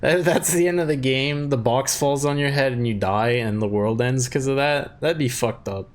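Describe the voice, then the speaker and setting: A man's voice: mid-range voice, moderate pace. A man doing casual let's-play commentary, joking and thinking aloud in a rambling way. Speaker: gaming video host. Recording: game music behind the voice. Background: video game music.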